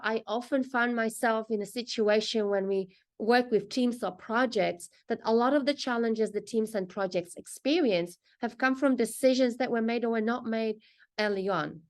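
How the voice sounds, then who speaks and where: A middle-aged woman from Poland with a Polish accent, presenting a business training session in an earnest, explanatory way. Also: medium pitch. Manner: earnest, explanatory, pauses often in short phrases.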